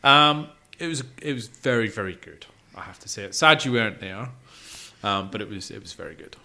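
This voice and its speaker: A man's voice: fairly low pitch, lively intonation, fairly quick, sharp tone. A man co-hosting a podcast, chatting casually about gigs he has been to. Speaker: podcast co-host.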